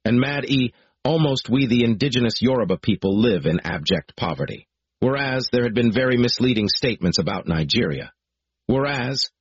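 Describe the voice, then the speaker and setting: A man with a low, husky voice reads a formal proclamation, solemn and measured, each clause weighed out. The recording is dry and dull, with a slightly muffled lo-fi sound. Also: no echo. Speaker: speaker reading a declaration.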